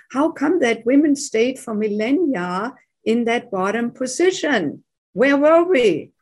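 A somewhat breathy woman with a German accent speaks at a fairly slow pace, her pitch swinging very widely. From Germany. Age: 70s. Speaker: author and tantra teacher. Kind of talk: interview.

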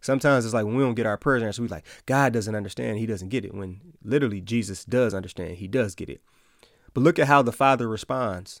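On a very clean recording with a silent background, a man with a medium pitch talks in an animated tone at a very fast pace, with ordinary pitch variation and big swings in loudness. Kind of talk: casual devotional talk.

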